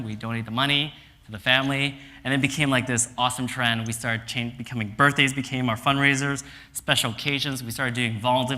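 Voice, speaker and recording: A man in his thirties from Canada gives a conference talk, telling stories with energy and acting out quotes on stage. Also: medium pitch. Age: 30s. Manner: energetic, animated storytelling with voiced quotes. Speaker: speaker. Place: stage in a lecture hall. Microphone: clip-on mic.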